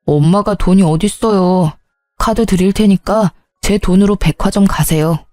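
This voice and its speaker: A woman's voice: medium pitch, normal speed, dark tone, faint music behind, lightly acted. A woman voicing a frustrated grown eldest son in an audio story, pleading and exasperated. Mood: insistent. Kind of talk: storybook narration.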